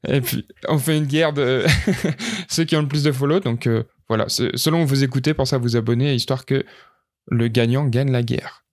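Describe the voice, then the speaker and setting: A man from France hosting a podcast, chatting casually with playful deadpan jokes and lots of hesitation. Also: medium pitch, moderate pace. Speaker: podcast host. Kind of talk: casual chat.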